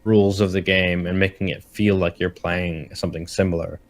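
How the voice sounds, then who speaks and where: A man with a fairly low voice talks casually about games. He hosts in an explanatory, halting way, often reworking his sentences as he goes. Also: fairly even intonation.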